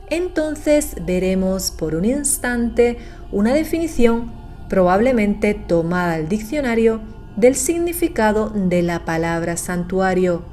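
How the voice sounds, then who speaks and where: A woman narrates a scripted horror recap in a measured, explanatory way. Her voice is dark and mellow, with a medium pitch and a very slow pace.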